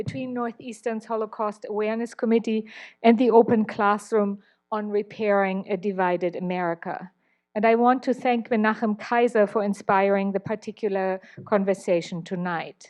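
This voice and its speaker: A woman with a German accent, fairly high pitch and a moderate pace. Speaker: university dean and historian. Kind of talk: formal welcome speech. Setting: classroom event with Zoom audience. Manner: formal.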